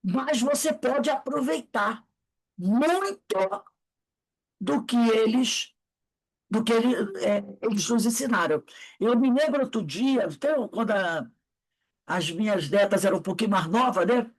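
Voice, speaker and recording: A woman's voice: on the high side, lively intonation, unhurried. A woman, teaching a spiritist study class in a chatty way, full of tag questions and acted-out dialogue. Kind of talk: conversational class lecture.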